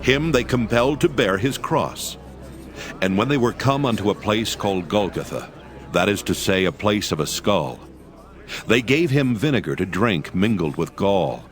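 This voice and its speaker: A man's voice: fairly low pitch, expressive, moderate pace. A man narrating scripture as a dramatized reading.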